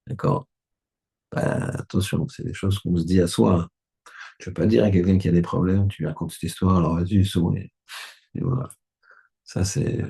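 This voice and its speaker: A man's voice: low voice, vocal fry, warm tone, breathy edge. A man, a rabbi, giving a Torah lesson in a conversational way, often checking that his listeners agree.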